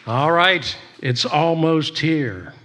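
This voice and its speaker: A man's voice: fairly high pitch, animated, very slow, a loud crowd, heavy background noise. A man hosting a church service, giving informal announcements in an upbeat, exclamatory manner. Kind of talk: informal spoken announcements to a congregation.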